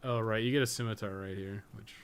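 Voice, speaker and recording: His pitch is fairly low, his tone steady and his pace quick as this game streamer and podcast co-host narrates gameplay casually and without a script. He drifts, thinks out loud and swears frequently, with clearly noticeable noise in the background.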